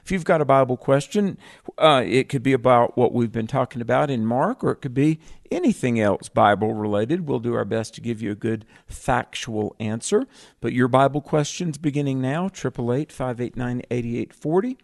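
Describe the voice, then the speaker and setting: A man co-hosting a call-in radio Bible show, explaining scripture in a measured, teacherly way. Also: mid-range voice, animated, creaky.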